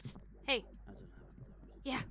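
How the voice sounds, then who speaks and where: A woman's voice: drawn-out words, sharp tone. A woman playing a brash, chatty captive with a sassy, casual manner, in an audio drama. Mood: coaxing, chatty.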